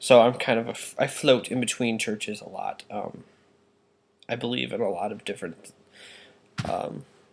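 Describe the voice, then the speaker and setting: A man speaks at a medium pitch and a moderate pace with ordinary pitch variation, big swings in loudness, long and frequent pauses, and vocal fry, on a very clean recording with a silent background. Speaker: vlogger. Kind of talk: personal vlog. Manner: halting, with stutters and ums.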